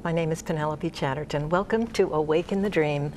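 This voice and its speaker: A woman's voice: low-pitched, a little fast, a little mellow, faint music behind, low-quality recording. A woman hosting an interview show, chatting effusively and interjecting often with her guest. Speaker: host. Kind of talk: casual interview chat.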